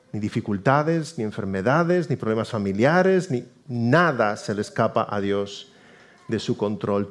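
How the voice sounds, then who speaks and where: A man preaching a sermon, swinging between emphatic raised lines and hushed low endings. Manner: dramatic swings between emphatic rises and quiet low drops.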